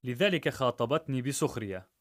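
A man's voice: medium pitch, lively intonation. Man narrating a rhymed story. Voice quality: measured, rhythmic.

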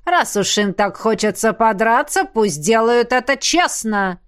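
A woman voicing a greedy old emperor with a creaky voice. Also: a little high, animated, measured pace. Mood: commanding.

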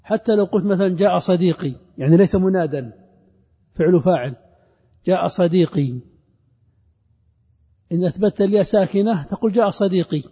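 A man giving a classroom grammar lesson. He asks questions and answers them himself, and he repeats each example slowly. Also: high-pitched, mellow, breathy edge. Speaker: grammar teacher. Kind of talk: classroom lecture on Arabic grammar. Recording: dull lo-fi recording with long hall reverb.

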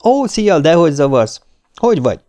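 A man reading the part of an eager young male paramedic who reports briskly and plainly. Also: fairly high pitch, very animated, mellow, pitched above the performer's own voice. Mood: friendly.

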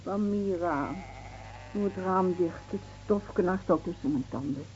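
A woman's voice: fairly low pitch, unhurried, a little mellow, natural voice. An actress playing a bitter, weary middle-aged village mother in a radio play, curt and fatalistic in manner. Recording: dull, muffled old radio play recording.

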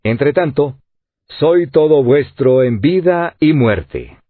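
A man voicing a hardy, ardent sailor in an audiobook, with a husky voice and exclamatory speech. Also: a little high, expressive, takes it slowly, no echo, pitched above the performer's own voice. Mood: grateful. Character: hardy middle-aged sailor, ardent and grateful. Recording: dry, tinny phone-like sound.

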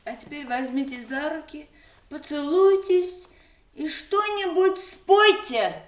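Язвительной взрослой дочери. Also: female voice, high voice, expressive, roomy sound, recorded from a distance. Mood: mocking. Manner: slow, mocking, sarcastic. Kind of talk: 1980s stage radio play acting.

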